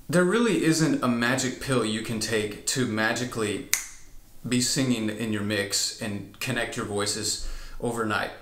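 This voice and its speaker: Explaining chest, mix and head voice with the odd sung whoop as demonstration, a male vocal coach teaches a singing lesson. His pitch is medium and a little bright, heard with a roomy echo.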